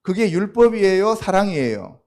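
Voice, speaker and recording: A man's voice: high-pitched, big pitch swings, normal speed, darkish tone. A male pastor preaching a sermon to a youth congregation in a loose, conversational way, often asking the listeners questions and answering them himself.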